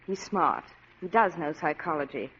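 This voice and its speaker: An actress playing a coy, manipulative glamorous wife in a 1940s-style radio drama. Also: female voice, deep voice, lively intonation, normal speed, a bit bright, a little hiss or hum. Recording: dull lo-fi old radio recording.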